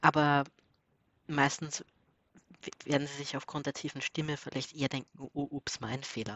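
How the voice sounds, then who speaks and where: Pausing long and often, a man with a fairly high pitch talks at a moderate pace in a monotone, flat intonation. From southwestern Germany. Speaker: podcast co-host. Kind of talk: casual chat.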